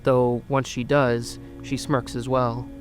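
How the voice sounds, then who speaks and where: A woman's voice: very deep voice, flat delivery, slow. A woman reading scripted narration for an audio drama as its storyteller.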